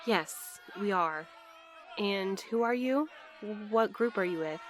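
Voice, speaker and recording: A woman's voice: mid-range voice, lively intonation, takes it slowly, a little hiss or hum. A woman playing an earnest, hopeful courier in an audio drama, polite and inquisitive.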